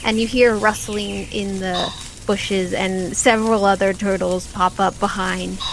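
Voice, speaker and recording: A woman hosting as game master of a tabletop audio drama, narrating to listeners over a soft background bed. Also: medium pitch, fairly even intonation, unhurried, creaky, slight background noise, poor audio. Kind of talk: narrating an actual-play game, then scripted credits.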